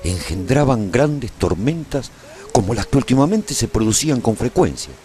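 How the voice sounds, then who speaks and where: A man's voice: mid-range voice, big pitch swings, normal speed, warm tone, close to an everyday voice. A male actor playing a weary, nostalgic warrior who survived the end of the world, narrating his saga in a solemn, theatrical radio drama style. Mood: grave, mysterious. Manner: solemn, brooding, theatrical delivery. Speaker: narrator and protagonist of a radio serial.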